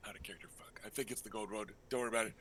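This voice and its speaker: A man working as game master, narrating a tabletop role-playing game in a casual, halting, improvised way. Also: on the low side, steady tone, fairly bright tone, a little hiss or hum.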